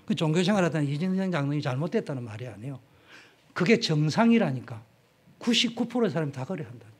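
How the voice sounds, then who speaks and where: A man's voice: a little high, expressive, fast, breathy edge. A middle-aged male pastor with a Gyeongsang accent, preaching in a frank, conversational way and acting out the dialogue in his stories. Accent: Gyeongsang Korean. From South Korea, Gyeongsang region. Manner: frank, conversational, acts out dialogue with sudden jumps in loudness. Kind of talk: sermon.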